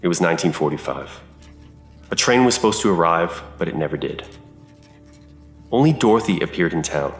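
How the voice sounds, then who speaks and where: Old lonely preacher man, low voice, slow formal wording, radio drama, echoey with some music. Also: lively intonation. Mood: grave, regretful. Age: older. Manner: measured, formal, old-fashioned phrasing. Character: solemn, hospitable old country reverend, lonely and melancholy. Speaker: reverend. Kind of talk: audio drama acting. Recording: roomy echo under music.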